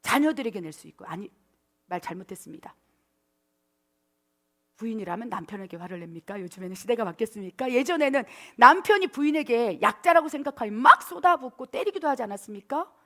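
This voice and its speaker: A middle-aged woman pastor preaching a sermon at a church service, animated and acting out prayers in coaxing, whiny voices. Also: a little high, fairly quick. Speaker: pastor and missionary.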